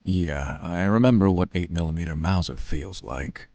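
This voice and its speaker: An actor playing a weary, guarded war veteran in an audio drama, speaking haltingly with understatement. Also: male voice, low voice, a little mellow, no echo, lo-fi sound. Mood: grim, haunted.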